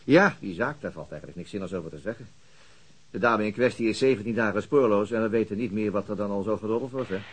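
Weary detective, calm and dry, low voice, quick talker, radio drama. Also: male voice, slightly rough. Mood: wry. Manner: low-key, dry and wry.

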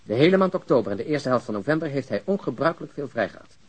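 A persistent police detective in a radio drama, with a slightly husky, middle-pitched voice. He presses a bereaved woman with blunt, insistent questions. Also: big pitch swings, rapid-fire, darkish tone. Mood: stern, forceful. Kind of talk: Dutch radio drama acting.

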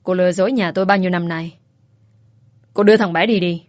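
A woman voicing an angry, scolding old grandmother who rants shrilly and fast. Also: on the low side, steady tone, dry recording, close to an everyday voice. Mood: furious.

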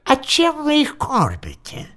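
A sly, fawning businessman. He drags his words out slowly, and his voice swoops widely up and down in a mock-friendly, wheedling way. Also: very high-pitched, wildly swooping pitch, pushed and bright, heavily acted. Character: sly, fawning foreign businessman, middle-aged man. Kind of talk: audio play acting.

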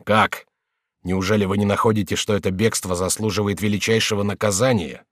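A man's voice: on the low side, fairly even intonation, a little fast, no echo, studio quality, lightly acted. A man voicing a volatile, anguished adult male king in a storybook reading. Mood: agitated. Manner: agitated, imploring, wrathful.

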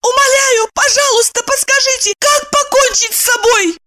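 A woman's voice: normal speed, sharp tone. A woman voicing a hysterical young married woman who screams and sobs in desperate, dramatic outbursts. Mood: pleading. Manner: shrill, screaming, sobbing outbursts.

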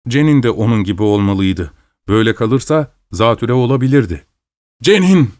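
A man narrating a suspenseful story aloud at a measured, steady storytelling pace. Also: fairly low pitch, no room sound, clean studio sound.

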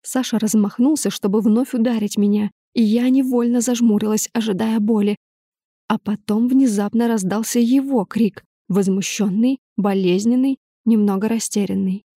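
A woman narrating a first-person audiobook in an even, measured way. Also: a little high, breathy edge, no echo, studio quality.

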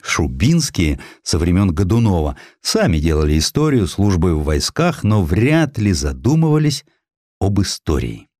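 A man reading a scripted historical sketch as an audiobook narrator, in with an expressive, theatrical storytelling delivery. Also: sits low, moderate pace, no room sound, clean studio sound. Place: studio.

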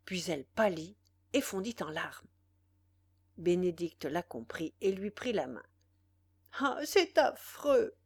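Slow, measured woman narrator. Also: mid-range voice, a little mellow, husky. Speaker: audiobook reader. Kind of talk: scripted narration of a classic novel.

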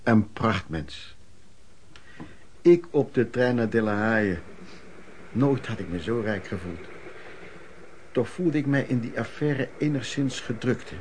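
A man's voice: medium pitch, animated, takes it slowly, pauses often, a little hiss or hum. An actor playing a man who narrates his hard, hopeful youth as a street trader, in colloquial first-person radio play style. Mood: plain reminiscing. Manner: colloquial, storytelling, clipped phrases.

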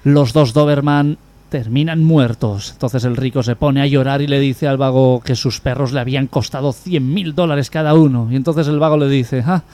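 A man's voice: medium pitch, steady tone, moderate pace, dark tone. A man co-hosting a community radio comedy show, telling jokes, playing up repetition gags and groaning at puns. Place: radio studio.

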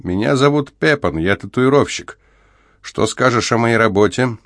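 Audiobook: man voicing gentle older male prisoner, caring, reassuring, dry close read. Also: mid-range voice, lively intonation, moderate pace, dry recording, voice pushed up. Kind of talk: audiobook character voice.

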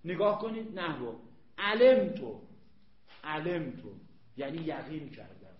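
A man's voice: on the high side, big pitch swings. A man teaching an Arabic grammar lesson, emphatic, repeating points and quizzing his students. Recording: echoey room, dull lo-fi sound.

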